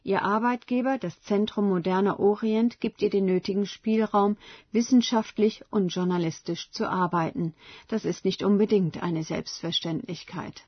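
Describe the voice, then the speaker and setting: Woman reporter, scripted radio narration, husky, dry sound. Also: mid-range voice, no room sound, dull audio. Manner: measured, even reading.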